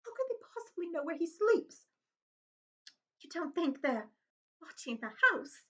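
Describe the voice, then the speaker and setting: A woman's voice: very high voice, big pitch swings, measured pace, voice pushed up, exaggerated voice. A woman voicing an anxious, fretful middle-aged aunt with a quivering voice in a children's storybook read-aloud. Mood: fearful.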